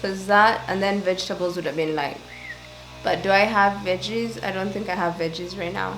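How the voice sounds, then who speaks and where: A young woman vlogging casually at home, rambling and thinking out loud as she talks. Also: mid-range voice, fairly even intonation, normal speed, faint music behind, poor audio. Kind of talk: casual vlog chat. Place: at home, indoors.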